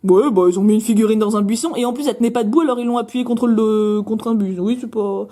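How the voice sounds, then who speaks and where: A woman with a French accent chatting casually while opening trading card packs, bubbly and self-mocking with quick asides. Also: fairly high pitch, warm tone. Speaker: card-opening video host.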